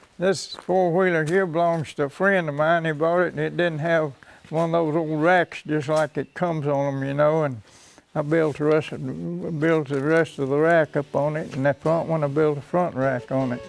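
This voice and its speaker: With a rural Southern US accent, a man talks at a moderate pace with fairly high pitch and fairly even intonation. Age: 80s+. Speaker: World War II veteran and fisherman. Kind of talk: interview testimony.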